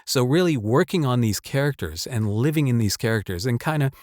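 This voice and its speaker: A man, a voice actor, chatting casually about his work in a halting, rambling way with repeated words. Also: medium pitch, animated, a little mellow, no echo, studio quality. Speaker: voice actor and channel host. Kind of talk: casual chat, personal anecdote and advice.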